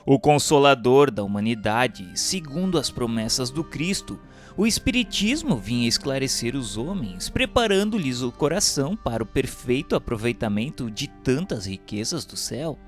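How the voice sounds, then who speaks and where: A man's voice: mid-range voice, sing-song, normal speed. A man with a Brazilian accent reading a scripted narration in a solemn, formal, declamatory way. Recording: music bed under the voice. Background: instrumental music.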